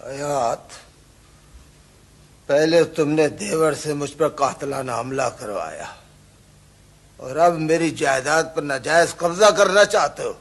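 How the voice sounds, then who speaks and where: An actor with a Pakistani accent playing a proud, stubborn landowner in a television drama, indignant and emphatic. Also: male voice, fairly high pitch, slow pace, pauses often. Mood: defiant. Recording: old TV drama soundtrack with music.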